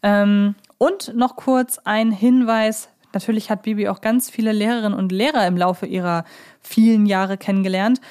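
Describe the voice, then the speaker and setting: A woman with a medium-pitched voice co-hosts a fan podcast. She talks in a conversational way, pausing to rephrase and correct herself as she thinks things through. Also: steady tone, a little mellow. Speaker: podcast host.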